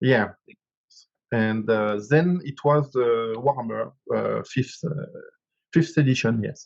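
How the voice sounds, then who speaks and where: With a French accent, a man talks at a very slow pace in a medium pitch, with ordinary pitch variation and long, frequent pauses. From France. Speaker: miniature painter. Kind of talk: interview. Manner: halting.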